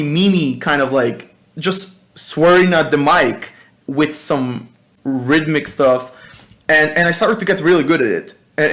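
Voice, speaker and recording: A man from Israel with an Israeli accent, talking casually as a music producer in a hesitant, halting way, swearing now and then. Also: on the high side, a bit bright. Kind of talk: casual workshop talk.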